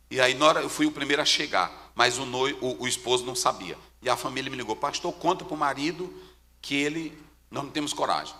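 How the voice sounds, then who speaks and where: A Brazilian Portuguese-speaking male pastor preaching a sermon, telling stories with dramatic swings from hushed tones to shouts. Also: mid-range voice, long reverb tail. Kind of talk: sermon with storytelling. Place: church.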